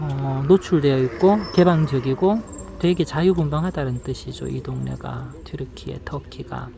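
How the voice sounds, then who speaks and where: A man talking at a fairly slow pace, with noticeable background noise. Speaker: travel vlogger. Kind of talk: casual vlog monologue. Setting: outdoors on a park bench. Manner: halting, many fillers.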